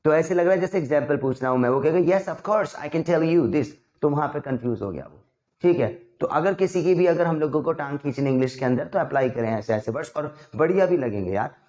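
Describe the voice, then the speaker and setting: Man, young adult, English tutor, casual lesson, chatty, code-switching, slow example phrases, slightly high pitch. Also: lively intonation, a little mellow. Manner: chatty, mixes Hindi and English, slows down for English examples. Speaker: spoken English teacher.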